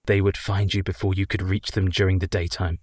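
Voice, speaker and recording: An actor playing an earnest young husband in a radio play, measured and resolute. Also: male voice, deep voice, little pitch movement, no room sound, clean studio sound. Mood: cautious, resolute. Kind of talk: community radio play acting.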